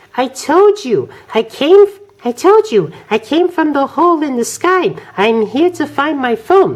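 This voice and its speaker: A female-sounding voice is put on as a character. It sits high in pitch and moves at a moderate pace. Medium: read story.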